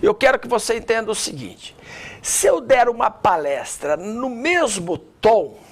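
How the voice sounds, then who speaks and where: A man teaching an online public speaking lesson, animated and talking straight to the viewer, shifting his pace and loudness to demonstrate. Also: high voice. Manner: addresses the viewer directly with quick rhetorical objections.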